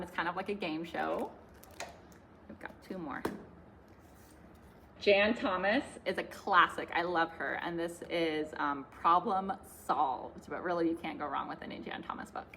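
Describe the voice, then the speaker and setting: A woman's voice: fairly low pitch, sharp tone, slight background noise. A young woman, a children's librarian, leading a class video with book picks, clapping games and finger-play songs in a cheerful sing-song way.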